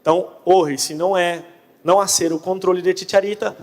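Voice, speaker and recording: A man's voice: high voice, steady tone, a little fast. A Brazilian man, a native Portuguese speaker, giving a conference presentation in Portunhol, a mix of Portuguese and Spanish. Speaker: conference speaker on pest control. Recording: echoey hall, long reverb.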